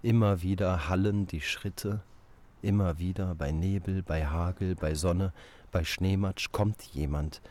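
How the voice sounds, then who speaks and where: A man narrating a scripted literary text for an audio play in a deliberate, repetitive manner. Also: sits low, fairly even intonation, a little mellow.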